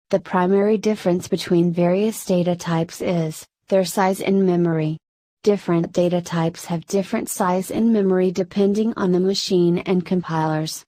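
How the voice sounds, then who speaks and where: A woman narrating a programming tutorial in a flat, synthetic-sounding scripted delivery. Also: on the low side, no room sound.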